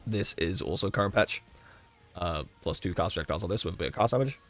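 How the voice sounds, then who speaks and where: Fighting a cold that leaves him congested and losing his voice, a gaming guide creator casually walks through a game build and run, rambling and correcting himself often. His voice sits low and moves fast, with faint music behind it.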